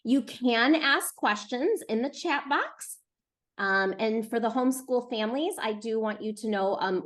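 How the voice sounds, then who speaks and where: A woman hosting a live online book event as a publisher, giving instructions to children and teachers. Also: mid-range voice. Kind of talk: addressing classrooms on a live call. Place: live video call.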